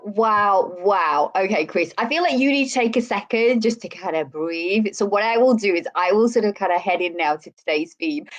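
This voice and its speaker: A woman co-hosting a live show in a chatty, effusive way, repeating words for emphasis. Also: medium pitch. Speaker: show co-host.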